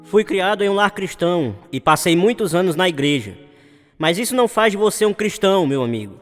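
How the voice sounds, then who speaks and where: Earnest preacher, high male voice, long hall reverb, exhorting sermon delivery. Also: animated, a little fast, fairly bright tone, faint music behind. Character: earnest male evangelist preaching to a crowd through loudspeakers. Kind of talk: evangelistic sermon.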